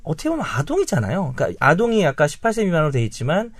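Man, fast talker, lively swinging pitch, fairly high voice, dry close sound, hosting a casual chat. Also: no echo. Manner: animated, fast, leads the discussion with questions. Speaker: podcast host. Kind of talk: casual panel discussion.

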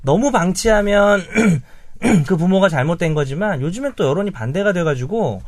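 A man in his thirties hosting a casual panel talk, animated and leading the discussion with questions. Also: high-pitched, moderate pace, no room sound. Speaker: podcast host.

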